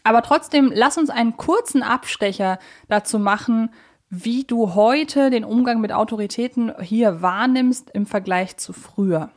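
A woman's voice: on the high side, unhurried, darkish tone. A woman hosting a podcast, talking casually in a reflective, explanatory way as she works through her points. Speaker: podcast host.

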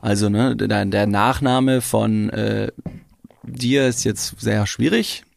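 Young male podcast co-host from Bavaria, gravelly voice, dry close mic, rambling banter. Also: fairly low pitch, fairly even intonation, takes it slowly, no echo. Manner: rambling, explains jokes. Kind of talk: casual comedic chat.

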